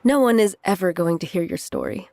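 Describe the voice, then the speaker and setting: A woman playing a sinister, taunting figure in a surreal horror audio drama, with a creaky voice. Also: medium pitch, a little fast, a little hiss or hum, lightly acted. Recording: loud music under the voice.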